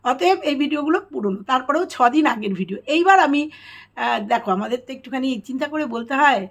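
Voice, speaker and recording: A woman's voice: sits high, lively intonation, a little fast. A woman vlogger, chatting to her viewers in a casual commentary, hesitating often with fillers.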